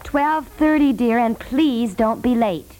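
A woman playing a patient, practical expectant wife and mother in a 1950s radio comedy, reasoning and gently correcting. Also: fairly high pitch, slow, low-quality recording. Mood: gently reassuring. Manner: reasonable, gently correcting, calls husband dear. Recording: vintage 1950s network radio recording.

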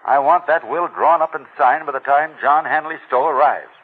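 A man's voice: on the high side, normal speed, husky. An actor playing a stubborn, insistent elderly wealthy man, blunt and commanding, heard as an old radio broadcast recording. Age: older. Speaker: wealthy client. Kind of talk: 1940s radio acting. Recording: thin, narrow-band old radio recording.

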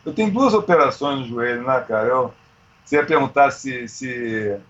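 A man of around sixty with a husky voice, chatting informally and slangily as he tells stories. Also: medium pitch, normal speed, a bit bright, dull audio. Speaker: amateur triathlete, interview guest. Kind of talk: casual chat, storytelling.

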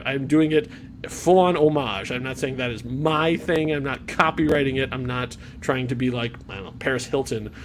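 A man's voice: medium pitch, a little hiss or hum. A man co-hosting a podcast, talking casually and rambling with lots of restarts and fillers. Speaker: podcast co-host. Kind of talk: casual chat. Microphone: own remote podcast mic.

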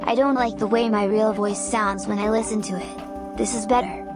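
Flat-voiced girl heard through a distant computer speaker, music underneath. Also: mid-range voice, moderate pace. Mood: matter-of-fact. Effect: voice played through a computer speaker. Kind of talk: scripted audio drama acting.

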